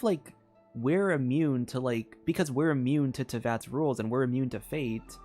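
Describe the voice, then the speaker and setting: Woman streamer rambling over soft game music. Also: a bass voice. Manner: rambling, circling back, heavy use of "like". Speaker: streamer playing and reacting to a game. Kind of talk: casual game commentary, theorizing aloud.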